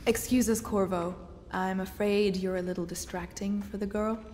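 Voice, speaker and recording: An actress playing a polite, patient young tutor in a video game. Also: female voice, mid-range voice, steady tone, normal speed, lightly acted. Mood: patient, mildly exasperated. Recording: reverberant, faint noise.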